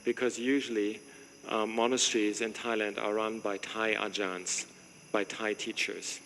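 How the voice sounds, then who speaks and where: A man's voice: on the low side, level tone, a little slow, a bit bright, a little hiss or hum. A man, a monk welcoming visitors to his monastery, talking casually, joking and chuckling often as he asks questions. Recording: reverberant space with faint ambience.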